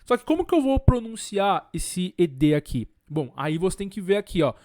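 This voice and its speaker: Lively Brazilian man teaching English. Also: high voice, no echo, clean studio sound. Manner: lively, repeats example words slowly and clearly. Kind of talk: explaining lesson to camera.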